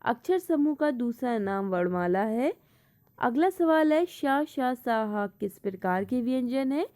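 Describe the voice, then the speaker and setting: A woman in a teaching role works through exam-prep questions at an unhurried pace. Her voice sits a little on the high side. She reads each question aloud before explaining it, dropping English words into her Hindi. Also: animated, a little mellow.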